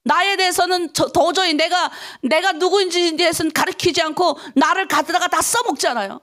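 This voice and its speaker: A woman's voice: very high voice, a little fast, fairly bright tone. A middle-aged woman pastor preaching a dawn prayer sermon, emphatic and personal, full of rhetorical questions and stories from her own life.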